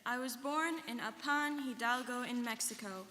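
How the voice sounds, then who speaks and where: Telling her life story in an earnest, rehearsed first-person reading, a young adult woman performs as a student on stage. She speaks at normal speed in a bright, forceful voice on the higher side, full of earnest recollection, within a reverberant hall carrying faint noise.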